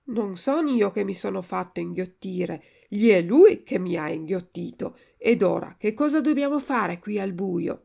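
A woman's voice: mid-range voice, expressive, a little slow, vocal fry, few pauses, mellow, heavily acted. A woman voicing a frightened, stubborn wooden puppet boy who cries and shrieks for help in a storybook reading. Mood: indignant.

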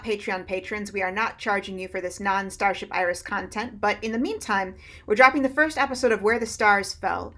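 A woman's voice: medium pitch, a bit bright. A woman podcast creator giving an informal scripted introduction in a playful, wry way. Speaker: podcast writer-creator introducing a guest show.

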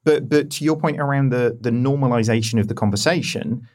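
A man's voice: medium pitch, fairly quick, darkish tone. A man hosting a podcast in a casual, joking way, full of "I mean" and "like". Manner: chatty, joking, uses fillers like "I mean" and "like". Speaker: podcast host.

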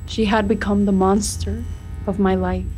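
Woman as earnest young plant spirit, storybook narration, emotive, deliberate, medium pitch, faint music behind. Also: level tone, darkish tone, natural voice, poor audio. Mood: sorrowful. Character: earnest, grieving young maize plant reborn as human. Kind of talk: scripted first-person story narration.

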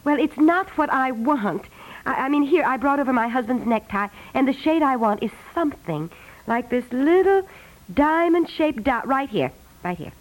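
High-pitched fussy housewife. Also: female voice, lively intonation, moderate pace, rough recording. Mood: politely insistent. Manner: dithering, particular, over-explaining. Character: fussy, insistent housewife choosing paint colors. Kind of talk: 1950s radio comedy acting. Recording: vintage 1950s radio recording.

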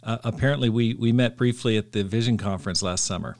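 A man's voice: fairly low pitch, fast, a little mellow. A man hosting a podcast interview in a friendly, easygoing way. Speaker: podcast host. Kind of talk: casual interview.

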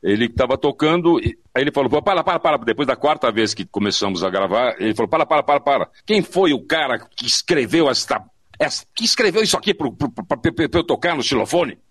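An older man from São Paulo, Brazil, a veteran of advertising audio and voice work, tells anecdotes casually as a guest in a remote online interview. He is animated, acting out what people said and repeating phrases for emphasis. His mid-range voice is husky and fast, recorded with studio quality and no echo.

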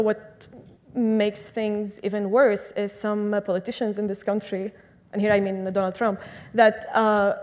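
Young woman, impassioned, mellow darkish voice. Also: medium pitch. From Syria. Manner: earnest and impassioned. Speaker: interview guest. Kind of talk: conversational interview.

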